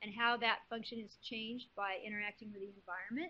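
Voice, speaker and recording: A woman's fairly high voice with an American accent, a normal speaking voice at a moderate pace. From Tucson, Arizona, US Southwest. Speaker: university researcher. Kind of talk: live video talk presenting research. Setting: video call. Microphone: video call.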